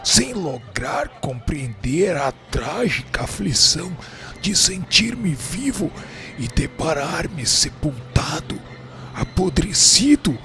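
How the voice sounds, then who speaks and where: Tormented, pleading dead sinner, wildly swooping. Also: male voice, a little high, big pitch swings, slow pace, bright, forceful tone, soft background music, exaggerated voice. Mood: tormented, horrified. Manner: formal, florid, anguished pleading. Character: tormented, pleading male spirit of a dead sinner, pious and self-justifying. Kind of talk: melodramatic radio drama acting.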